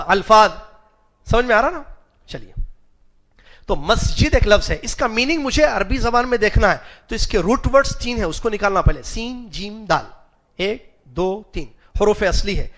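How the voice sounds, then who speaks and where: اونچی آواز والا مرد استاد، طلبہ سے سوال کرتا ہوا. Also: male voice, high voice, animated, fairly bright tone. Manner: questions the class and spells out Arabic root letters slowly; mixes English words into his speech. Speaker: religious teacher. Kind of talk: classroom lecture.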